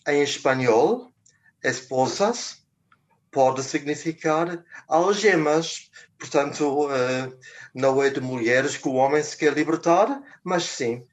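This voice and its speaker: Slow, hesitant older man. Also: on the high side. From Germany. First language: German. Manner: deliberate, searching for words with frequent pauses. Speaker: guest, journalist. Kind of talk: radio interview chat.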